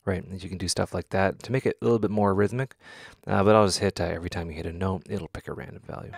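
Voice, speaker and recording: A man talks casually through a software demonstration in a low voice with plenty of vocal fry. He hesitates and thinks aloud as he goes. The sound is dry and close, with very little room. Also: steady tone, quick pace, no echo, soft background music. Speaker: tutorial host. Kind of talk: casual software tutorial talk.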